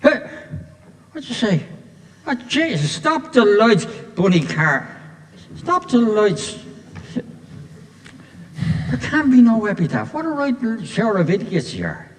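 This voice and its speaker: A man playing a loud, mocking wag. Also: huge pitch swings, slow pace, pauses often, full character voice. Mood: scornful. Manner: boisterous, scolding, mocking, wildly swinging pitch. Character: cheeky Dublin man, loud, mocking and blunt. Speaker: stage actor. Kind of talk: amateur stage play. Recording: hall reverb from a stage.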